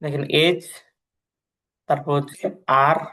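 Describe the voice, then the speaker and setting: A man's voice: fairly high pitch, level tone, a little slow, pushed and bright. A young man teaching an online language class, patiently explaining and repeating each letter several times as he drills the alphabet.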